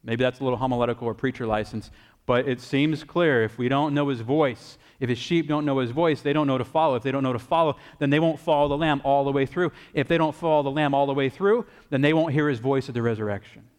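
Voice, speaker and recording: A man's voice: medium pitch, fast, clean tone, big-room sound. A man preaching a sermon as pastor, earnest and pleading, repeating phrases for emphasis.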